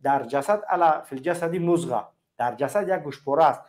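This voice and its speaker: A man's voice: a little high, darkish tone. A man with a Tajik accent hosting a call-in show, talking in an emphatic, preachy way and piling up repeated phrases. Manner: emphatic and repetitive, stacks up parallel phrases. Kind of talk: preachy political call-in talk.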